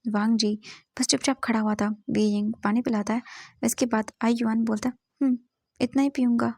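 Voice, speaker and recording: A woman's voice: a little high, flat delivery, normal speed, darkish tone, no room sound, studio quality. A woman narrating a fanfiction story in a casual, conversational way. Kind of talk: storytelling narration, Hindi mixed with English.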